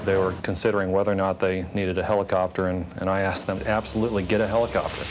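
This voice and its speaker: A man, a hang glider pilot, calmly recounting an accident he witnessed in an interview. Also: deep voice, rapid-fire, over music. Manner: calm, matter-of-fact recollection. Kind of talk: interview testimony.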